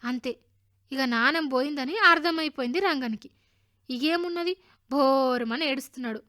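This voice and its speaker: High bright telangana lady telling kids a story on radio. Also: normal speed, no room sound, clean studio sound. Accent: Telangana Telugu. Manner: lively, homely dialect narration.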